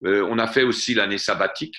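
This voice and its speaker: A man's voice: on the low side, fairly even intonation, fast talker, pushed and bright. A man giving a lesson on a video call, patiently explaining grammar and slipping in short English glosses. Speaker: French tutor. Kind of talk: online tutoring session. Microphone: computer mic on a video call.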